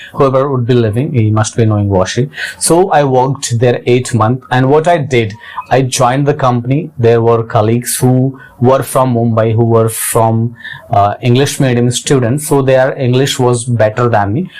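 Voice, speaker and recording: With noticeable background noise behind him, a man of medium pitch speaks at a moderate pace with fairly even intonation and very even loudness. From India, Uttar Pradesh. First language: Hindi. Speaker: English teacher YouTuber. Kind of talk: casual monologue, personal story. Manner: hesitant, many fillers.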